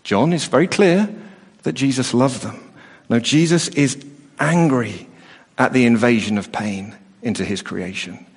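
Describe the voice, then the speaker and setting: A man's voice: mid-range voice, slightly rough. Earnest man preaching in a reverberant hall. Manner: earnest, halting restarts and repeated words. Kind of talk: sermon. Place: church hall.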